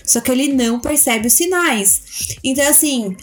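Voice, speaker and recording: A Brazilian woman tells stories in a breezy podcast chat, often restarting her sentences as she goes. Her voice sits high for a woman. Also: animated, soft background music. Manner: chatty storyteller, quick restarts. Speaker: podcast co-host.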